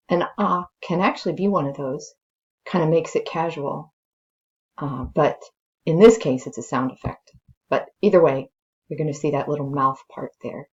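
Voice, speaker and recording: Speaking at a moderate pace, this woman has a low, slightly mellow voice in a muffled recording. She's a native English-speaking language teacher who reads a story aloud slowly and dramatically, then talks casually about the lesson, thinking out loud as she explains.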